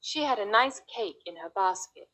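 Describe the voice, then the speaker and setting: A woman narrating a children's fairy tale in slow, clear, deliberate English for young learners. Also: medium pitch, lively intonation, fairly bright tone, poor audio. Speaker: storyteller. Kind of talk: scripted storybook narration.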